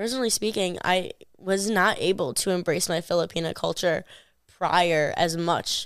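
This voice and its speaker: A woman with an American accent uses a normal speaking voice, medium in pitch, with ordinary pitch variation at a moderate pace. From New York. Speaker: beauty pageant titleholder. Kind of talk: casual interview chat.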